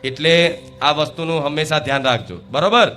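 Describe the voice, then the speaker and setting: Bright-voiced devotional preacher, man. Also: fairly high pitch, normal speed, faint music behind. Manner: rhetorical, quizzes the audience and calls for responses; repeats key words for emphasis. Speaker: spiritual preacher speaking as the goddess. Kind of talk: devotional discourse to a live gathering.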